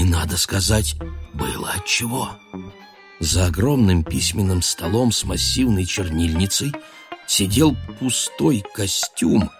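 A man narrating a literary audio drama in a measured storytelling manner. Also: fairly low pitch.

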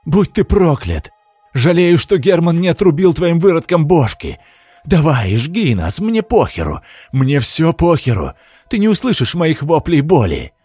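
A man voicing a desperate male henchman who shouts curses hysterically. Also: a little high, big pitch swings, measured pace, breathy edge, no echo, soft background music, voice pushed up, heavily acted. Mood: defiant shouting. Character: defiant, desperate male henchman facing execution.

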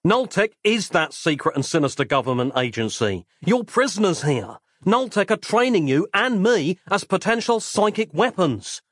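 A blunt, impatient grown man who speaks with exasperated force, as a male reader plays him. His delivery is animated and rises and falls a lot. The recording is close and dry, with no room sound. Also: high-pitched, moderate pace, hardly any pauses, no echo, voice pushed up, exaggerated voice. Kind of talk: audiobook reading.

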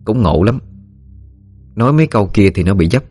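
A man's voice: on the low side, animated, brisk, a little mellow, husky, faint music behind. A man narrating a humorous, folksy audio ghost story.

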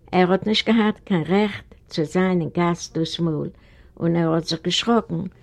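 A woman from Eastern Europe narrates a storybook in a low, gravelly voice. Her reading is steady and deliberate. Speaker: audiobook reader.

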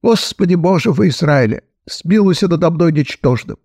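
Hysterical, self-pitying plump young man, wailing and sobbing, high and swooping in pitch, with a gravelly edge as a male reader voices him. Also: animated, normal speed, a little mellow, dry recording, studio quality.

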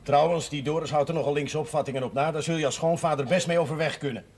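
An actor playing a friendly, sporty Catholic priest who reasons informally and wryly, in a naturalistic 1970s television drama. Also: male voice, fairly high pitch, fairly even intonation, fast. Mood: calm, persuasive. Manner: informal, reasoning, gently wry. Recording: audio of 1970s television broadcast, music.

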